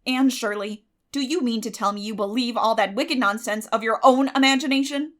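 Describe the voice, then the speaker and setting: A woman voicing a stern, no-nonsense older female guardian in a dramatic audiobook, firm, brisk and scolding. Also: a little high, lightly acted. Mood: appalled. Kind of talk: dramatic audiobook character acting.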